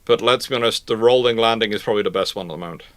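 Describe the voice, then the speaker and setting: A man's voice: lowish voice, racing, no echo. Man hosting a rambling live Q&A. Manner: rambling, stumbling over phrases and restarting. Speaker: livestream host. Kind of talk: casual live question-and-answer talk on naval history.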